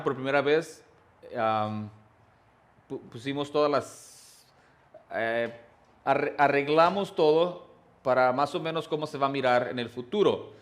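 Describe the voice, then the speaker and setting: A man pastor leading an outdoor church service, giving announcements and a sermon with frequent fillers and pauses, rising and growing louder when he quotes scripture. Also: mid-range voice. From Southern California. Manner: rises and grows louder when quoting scripture.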